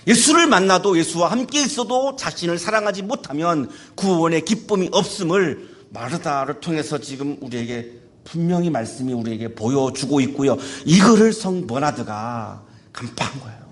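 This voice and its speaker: A male pastor preaching a sermon at a university chapel, animated and playful, acting out quotes and calling on listeners. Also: on the high side, moderate pace.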